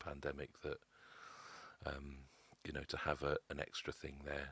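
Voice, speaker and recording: Speaking at a moderate pace, a man uses a very deep, low voice that is bright and sharp in tone, with vocal fry and monotone, flat intonation. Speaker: musician, abuse survivor. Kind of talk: testimony. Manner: halting.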